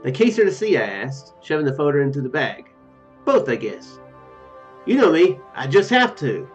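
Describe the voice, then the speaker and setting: Reading game text aloud with a sing-song lilt, this young streamer's slightly high voice moves at a normal speed. His let's play commentary is hesitant and rambling, with asides that trail away. He records at home indoors, where a dull, lo-fi mic also captures game music.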